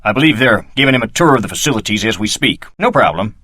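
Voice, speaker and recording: Bright-voiced, businesslike guard. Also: male voice, lowish voice, expressive, fast, husky, no echo, studio quality, exaggerated voice. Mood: matter-of-fact. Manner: polite, procedural. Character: businesslike male security guard, courteous and matter-of-fact. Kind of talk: video game character acting.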